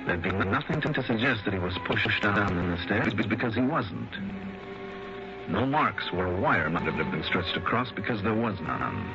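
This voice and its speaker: An actor playing a hard-boiled insurance investigator, narrating in terse, dry first person in a 1960s radio drama. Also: male voice, on the low side, sing-song, normal speed, music in the background. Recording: dull lo-fi vintage radio broadcast.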